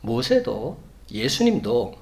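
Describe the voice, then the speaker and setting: A man preaching a Sunday sermon as a pastor, measured, building to emphatic peaks. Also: mid-range voice, very animated, a little mellow. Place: church sanctuary.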